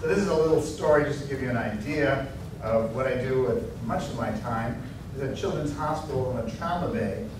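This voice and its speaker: A man talks at a moderate pace. Noticeable background noise and audible room echo surround his voice. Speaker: university professor giving a seminar. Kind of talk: lecture. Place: hall.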